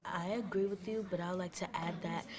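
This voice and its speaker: A woman's voice: on the low side, steady tone, brisk, darkish tone, a little hiss or hum. A young female student making a point in a class discussion, earnest and sometimes restarting her sentences. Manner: earnest, hesitant, restarts thoughts.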